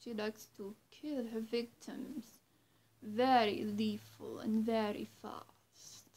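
Young woman playing a slow, high-voiced coy vampire. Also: fairly even intonation, a little mellow. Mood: sly, confiding. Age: young adult. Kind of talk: roleplay addressed to the listener. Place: small bright bedroom, indoors. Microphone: camera mic at arm's length or closer.

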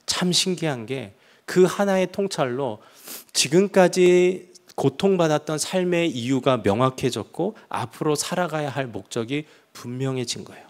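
A man preaching a sermon, telling a story and acting out the quoted voices with sudden loud outbursts and soft, hushed passages. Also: a little high, expressive, normal speed, few pauses. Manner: acts out quoted speech with sharp swings in loudness; drops to soft, hushed tones for tender passages. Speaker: pastor.

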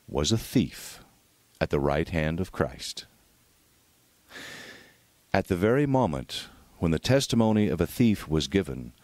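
A man's voice: fairly low pitch, no echo. A man reading a devotional sermon aloud in a solemn, dramatic, oratorical manner. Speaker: reader of a devotional book.

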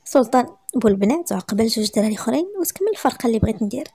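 A woman voicing a playful, affectionate young husband in a story, with a Moroccan accent and calm, matter-of-fact delivery. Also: fairly high pitch, very fast, slightly rough. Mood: teasing. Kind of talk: storytelling with acted dialogue.

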